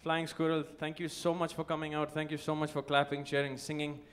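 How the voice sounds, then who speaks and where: A man's voice: on the high side, level tone, brisk, slight background noise. A male singer-songwriter chatting between songs at a live festival show, effusive and thankful, coaxing the crowd to sing along, his voice worn from singing. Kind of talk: live stage banter with audience. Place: live music festival stage. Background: guitar playing.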